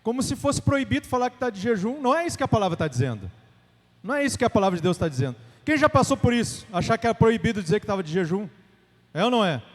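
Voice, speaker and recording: High-voiced Brazilian deacon preaching. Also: male voice, lively intonation, rapid-fire. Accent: Brazilian Portuguese. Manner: emphatic, repeats key phrases, calls for congregation response. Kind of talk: sermon. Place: church sanctuary. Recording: long church-hall reverb.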